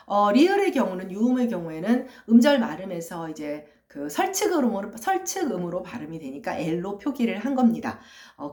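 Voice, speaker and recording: Lively-voiced woman lecturing in an echoey room. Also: mid-range voice. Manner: explanatory, frequent fillers and tag questions. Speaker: university lecturer. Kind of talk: recorded phonology lecture.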